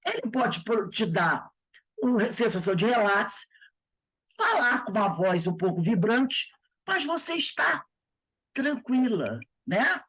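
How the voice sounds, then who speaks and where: A woman leads an informal spiritist study class, reading from a book and explaining each passage in her own words. Her voice is a little husky and swings widely in pitch. She keeps asking her listeners "né?" and slows right down to stress the key terms. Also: big pitch swings, fairly bright tone. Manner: conversational, with frequent tag questions. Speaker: spiritist study group teacher.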